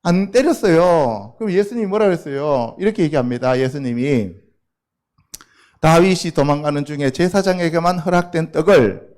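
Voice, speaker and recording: A male pastor gives a sermon to young adults in a high, very animated voice that rises and falls widely. He talks in an everyday, colloquial way. He keeps putting quick questions to the congregation and then answers them himself. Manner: colloquial, conversational preaching.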